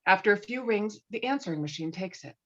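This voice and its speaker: A woman's voice: mid-range voice, animated, fast, dull audio. A woman reading screenplay stage directions as narrator at a table read.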